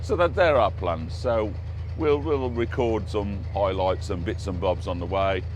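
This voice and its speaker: A man's voice: lowish voice, unhurried. A man with an English accent chatting casually and jokily as he narrates a boat trip. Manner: jokey, bantering. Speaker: narrowboat vlogger. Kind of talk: casual chat, commentary while cruising. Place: outdoors on a narrowboat on a canal. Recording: outdoor recording with loud boat engine hum. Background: engine hum, outdoor noise.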